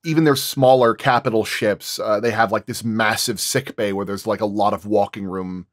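A man's voice: lowish voice, fairly even intonation, normal speed, dry recording, clean studio sound. A man speaking as a sound designer on a panel, explaining his craft casually and in thoughtful detail.

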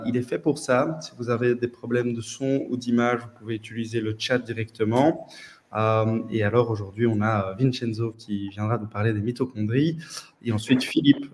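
A man's voice: medium pitch, darkish tone. A man hosting a webinar on a video call, introducing the guest with frequent fillers. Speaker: webinar host.

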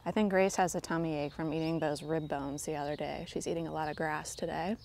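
A garden vlogger gives a casual walking tour of her home garden outdoors, chatty and self-deprecating, addressing viewers like friends while filming off screen on a handheld phone camera. Her low, steady voice is gravelly and a little mellow, a little fast, with a bit of hiss or hum.

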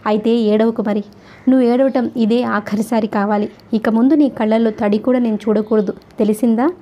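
A woman's voice: fairly even intonation, moderate pace, lightly acted. Woman reading as an earnest young husband. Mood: tender. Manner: gentle but firm, low and earnest.

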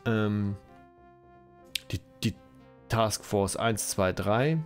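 A man's voice: on the low side, fairly even intonation, extremely slow, soft background music. A German-speaking man with a cold, giving rambling, self-correcting commentary while playing a strategy game. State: has a cold, coughing. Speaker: let's-play host.

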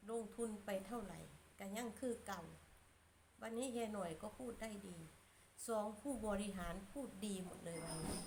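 Blunt scolding woman, gravelly. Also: medium pitch, slight background noise. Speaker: commentator. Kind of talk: casual opinion monologue.

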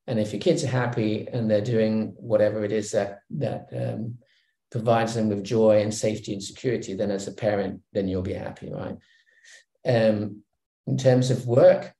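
Middle-aged man in a roomy video call. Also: fairly low pitch. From Hong Kong. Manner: relaxed, reflective, many fillers and restarts. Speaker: guest executive. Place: home room.

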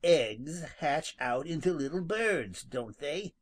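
A storybook narrator voicing a sly, good-natured male skunk who teases in a slow drawl. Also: medium pitch, animated, slightly rough. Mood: teasing.

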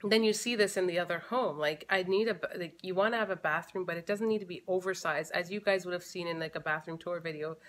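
A woman in her thirties talks casually to a camera set close in front of her at home. Her voice sits a little low, and she thinks aloud as she goes, full of fillers and restarts. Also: fast talker, hardly any pauses, a bit bright. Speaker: family vlogger. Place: living room at home.

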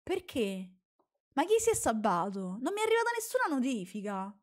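A woman's voice: a little high, very animated, moderate pace. A young woman chatting casually with her chat while playing a game, jokey and prone to startled shrieks. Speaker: streamer. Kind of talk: casual live gameplay chat.

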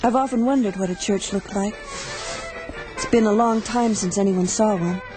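An actress playing a frightened, wistful young wife on the run in a radio drama. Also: female voice, mid-range voice, moderate pace, close to an everyday voice, low-quality recording. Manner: hesitant, wistful. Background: music.

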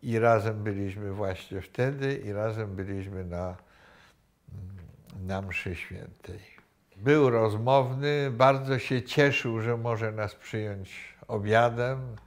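An older man being interviewed, recalling the past slowly with many pauses and restarts, recorded on a lapel mic in a room. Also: on the low side. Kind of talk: reflective recollection. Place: indoor room with wooden cabinets.

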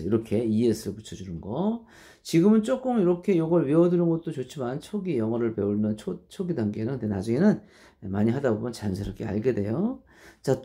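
Male teacher, mellow and warm tone, patient step-by-step explainer for young students. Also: medium pitch, creaky. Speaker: English teacher. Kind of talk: grammar lesson for middle schoolers.

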